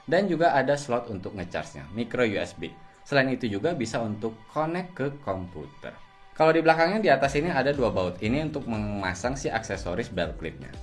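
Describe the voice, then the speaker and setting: A man giving a casual product review, explaining things colloquially and straight to the viewer. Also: on the low side. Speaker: host, gadget reviewer.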